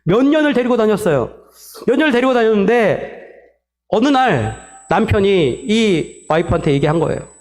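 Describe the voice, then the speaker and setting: A male pastor preaching a sermon, telling a story to his congregation and acting out the quoted lines in a softer voice. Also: sing-song, moderate pace. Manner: storytelling, acts out quoted dialogue in softer lower tones; addresses the congregation directly, asks for amens.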